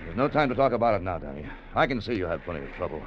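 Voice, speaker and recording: An actor playing a calm, stern man in a 1940s radio drama, speaking in a cool, level, quietly menacing way. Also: low-pitched, racing. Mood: brusque. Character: calm, stern man who turns in a killer. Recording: dull old radio broadcast, faint noise.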